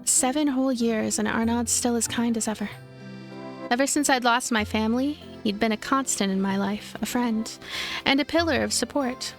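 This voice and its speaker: A woman let's player reading a visual novel aloud in expressive narration, with game music behind her. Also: on the high side, moderate pace.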